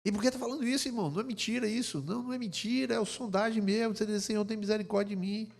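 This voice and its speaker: Impassioned preaching man, gravelly voice. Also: sits high, rapid-fire. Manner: impassioned preaching, swings between hushed and loud. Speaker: pastor. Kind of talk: sermon. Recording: long hall reverb.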